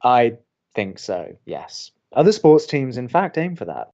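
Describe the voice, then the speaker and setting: Skeptical young radio co-host, dry, hesitant, with lively intonation; audio drama, slightly dull recording. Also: male voice, medium pitch, unhurried. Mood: awkward. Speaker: college radio co-host character.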